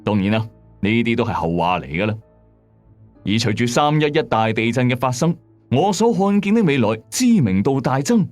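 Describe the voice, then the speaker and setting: A man with a Hong Kong Cantonese accent narrates like a late-night mystery host. His mid-pitched voice swings widely in melody, building suspense and dropping in chatty asides. Music plays softly behind him. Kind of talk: scripted storytelling narration. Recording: voice over background music. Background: music bed.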